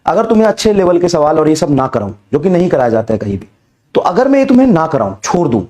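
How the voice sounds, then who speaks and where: A male teacher talks a recorded class through a fever. His somewhat high voice is soft and mellow, and it keeps cracking. He speaks with low energy, repeats points, and coaxes students with rhetorical questions. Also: sing-song, fast talker. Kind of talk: recorded online class lecture.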